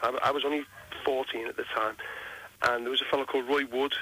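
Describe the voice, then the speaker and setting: A man with a Liverpool accent at medium pitch, over noticeable background noise. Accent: Scouse. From Liverpool, England. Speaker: professional wrestler. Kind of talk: radio interview. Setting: phone call. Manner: animated, repetitive stammering starts.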